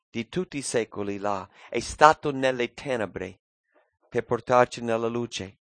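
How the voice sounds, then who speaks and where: A man preaching a sermon, swinging between loud, raised cries and hushed, low phrases. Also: no room sound.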